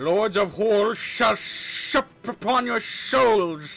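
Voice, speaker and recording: A man uses a put-on character voice with a high pitch. He speaks at a very slow pace. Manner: menacing, sinister.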